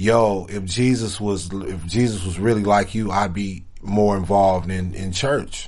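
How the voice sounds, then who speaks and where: Audible room echo surrounds a man who speaks fairly slowly in a fairly low pitch. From Arkansas, raised in Los Angeles. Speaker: actor. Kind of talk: casual chat.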